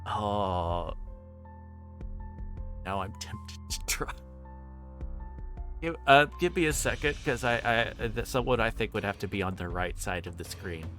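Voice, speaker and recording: Expressive and fairly bright, this man's fairly low voice moves at a measured pace with frequent pauses. He livestreams a visual novel, reading the story aloud with drama and chatting casually between lines while game music plays behind him.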